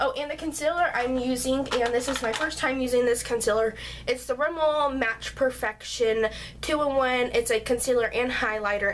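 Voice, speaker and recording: Fairly quick delivery with ordinary pitch variation over noticeable background noise. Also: woman. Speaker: beauty vlogger. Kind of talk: makeup review tutorial. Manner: casual, filler-heavy; stuttering at times.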